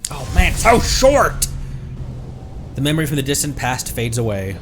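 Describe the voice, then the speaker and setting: A male streamer with an average-pitched, very lively voice gives casual game commentary. He chats and thinks aloud, with faint music behind him. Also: normal speed.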